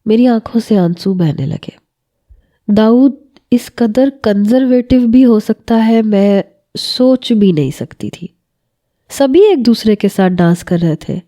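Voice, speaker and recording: A woman telling a first-person romantic story in scripted narration, with a measured, emotional delivery. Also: fairly high pitch, lively intonation, dark tone.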